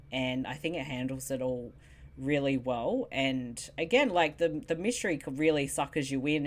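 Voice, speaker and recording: A woman reviewing a film in casual conversation, thoughtful and a little hesitant. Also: extremely low pitch.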